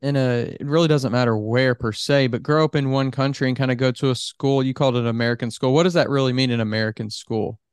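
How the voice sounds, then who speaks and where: A man's voice: mid-range voice, fairly even intonation, fast talker, few pauses, clean tone, no room sound. A young man hosting a podcast, asking rambling, easygoing questions into a studio microphone. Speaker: podcast host. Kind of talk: interview questions and read sponsor ad. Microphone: studio microphone with headphones.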